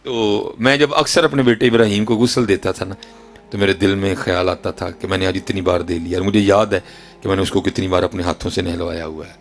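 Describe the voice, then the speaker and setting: A man preaching a sermon in a Punjabi accent, telling stories and throwing rhetorical questions at his listeners. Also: low voice. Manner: rhetorical, tells stories, keeps addressing the audience as hazrat ji. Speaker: Islamic preacher. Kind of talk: sermon with storytelling.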